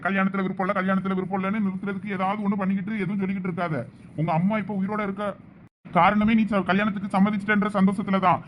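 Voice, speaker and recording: A man with a high voice talks very fast, scolding a friend with plain exasperation. The audio is slightly dull, with faint noise underneath. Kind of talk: amateur village comedy drama acting.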